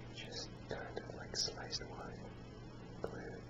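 The man talks at a very slow pace. Loud background noise runs behind him. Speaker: ASMR creator. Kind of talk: ASMR video with casual talk to camera. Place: home room. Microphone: studio mic.

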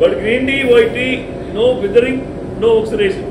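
A man talks fairly fast while noticeable background noise carries on behind him. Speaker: tea factory guide. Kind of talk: guided tour explanation. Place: factory. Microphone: camera far.

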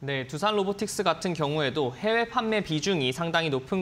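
Fairly high pitch for a man, a normal speaking voice, lively intonation and a fairly quick pace. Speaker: research analyst. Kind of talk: studio discussion on stocks. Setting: studio. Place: studio. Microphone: lapel.

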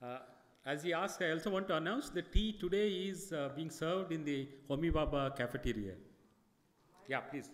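A man talks at a fairly quick pace with long, frequent pauses. His pitch is fairly high, with ordinary pitch variation. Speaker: event chair. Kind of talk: formal introduction. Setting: stage with audience. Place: hall. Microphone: podium.

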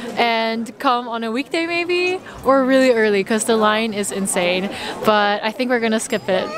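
A woman talks at a moderate pace with ordinary pitch variation. The sound is dry with no echo, but there is noticeable background noise. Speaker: travel vlogger. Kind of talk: casual vlog chat. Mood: cheerful, upbeat. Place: market. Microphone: phone near.

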